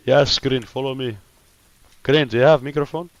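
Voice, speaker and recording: A man's voice: medium pitch, steady tone, normal speed, highs cut off. A man from Iceland streaming a shooter game, chatting casually with a teammate and playing dumb as a joke. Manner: joking, playing dumb, self-assured banter. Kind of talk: casual gaming chat.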